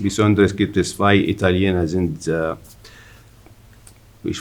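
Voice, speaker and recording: This man's voice is very deep and low. He speaks at a fairly slow pace with monotone, flat intonation. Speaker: social care worker in a nursing home. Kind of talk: interview. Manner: halting.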